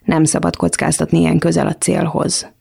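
A woman reading the part of a slightly mad male doctor who speaks slowly and softly coaxes. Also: deep voice, completely flat delivery, creaky, breathy edge, full character voice. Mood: soothing.

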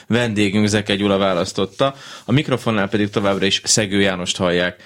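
A man's voice: on the low side, steady tone, fairly bright tone. A man hosting a radio interview, asking long, elaborate literary questions. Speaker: radio host. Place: radio studio.

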